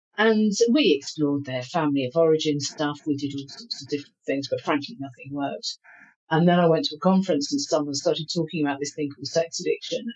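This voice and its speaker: In a British accent, a woman with a very deep, low pitch talks at a very fast pace with ordinary pitch variation. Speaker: psychotherapist. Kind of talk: interview. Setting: podcast.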